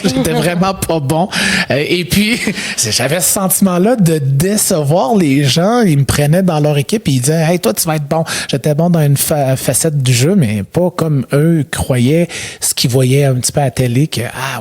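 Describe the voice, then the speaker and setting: A man's voice: mid-range voice, darkish tone. A man in his thirties with a Québécois French accent, telling his personal story as an interview guest in a reflective way, with frequent hesitations. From Quebec. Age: 30s.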